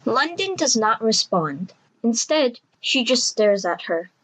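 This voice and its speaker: A woman's voice: a little high, very animated, slow pace, fairly bright tone, rough recording. A woman reading scripted story narration for an audio drama.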